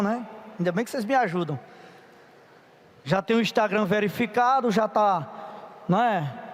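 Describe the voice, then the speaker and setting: A middle-aged man, preaching a chatty, playful sermon at a youth conference and asking the audience for help. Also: high-pitched. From Paraíba, Brazil. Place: large conference hall. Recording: reverberant hall.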